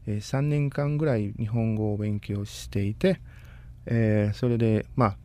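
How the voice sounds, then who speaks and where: A man in his thirties from Costa Rica, a native Spanish speaker, talking as a guest in a casual interview. He speaks politely and in a measured way, often pausing to find his words. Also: lowish voice, fairly even intonation, mellow. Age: 30s.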